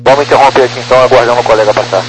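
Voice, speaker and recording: Male Brazilian controller, mid-pitched, terse police-radio delivery through a noisy two-way radio. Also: fairly even intonation, very fast. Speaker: air traffic controller. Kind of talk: clipped radio phraseology, like police radio. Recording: noisy, humming aviation radio.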